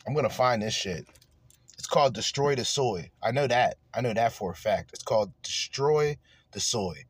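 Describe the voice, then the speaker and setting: A man's voice: mid-range voice, lively intonation, moderate pace, slightly rough, dry recording. A man hosting a podcast, ranting crudely and angrily in heated commentary. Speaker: podcast host.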